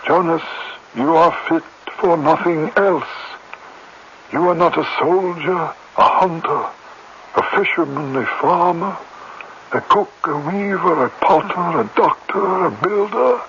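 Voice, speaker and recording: Slow, solemn tribal elder. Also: male voice, a little high. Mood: stern, pronouncing judgment. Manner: slow, formal, pronouncing. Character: stern male tribal elder, solemn father and judge. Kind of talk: 1970s radio drama acting. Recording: muffled, noisy old radio recording.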